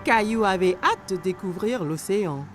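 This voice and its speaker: A woman's voice: mid-range voice, animated, moderate pace, faint music behind. A woman reads scripted children's story narration for a cartoon.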